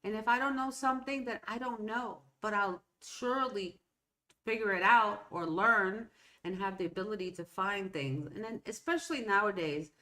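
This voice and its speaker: This solo motivational podcast comes from a middle-aged woman whose native tongue is Spanish, speaking Hispanic American English. Her voice has a medium pitch and a sharp tone at normal speed. Casual and meandering, she keeps checking in with listeners through "right?" and "okay?".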